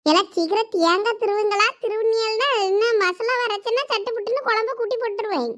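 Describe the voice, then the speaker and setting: A woman playing a quarrelsome young village cook; very high pitch, Thoothukudi Tamil accent. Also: brisk, fairly bright tone. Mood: bickering. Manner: bickering, teasing. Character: sharp-tongued young village woman cooking.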